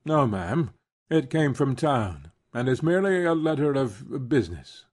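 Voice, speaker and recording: A man with a husky, mid-range voice plays a courteous and reserved gentleman colonel in a dramatization of a classic novel. He is formal and restrained, though very animated, speaking at a measured pace with a guarded mood.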